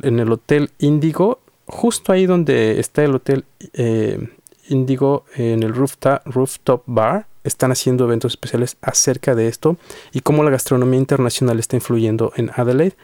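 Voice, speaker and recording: A man's voice: mid-range voice, moderate pace, darkish tone, dry recording. A man hosting a casual radio interview in a studio, chatty and hesitant, with frequent fillers. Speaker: radio show host. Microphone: studio microphone.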